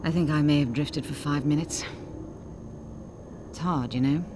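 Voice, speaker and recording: An actress as a low-voiced, tired female official. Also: normal speed, noisy background, close to an everyday voice. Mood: tired, serious. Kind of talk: video game cutscene acting.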